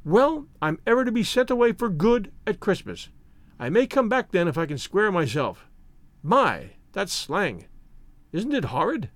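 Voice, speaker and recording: A coquettish teenage schoolgirl, as a male reader plays her, high and swooping in pitch. She is arch, breathless and mocking, with a theatrical affectation in her storybook dialogue. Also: big pitch swings, unhurried, dry recording. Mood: confiding. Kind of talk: audiobook character dialogue.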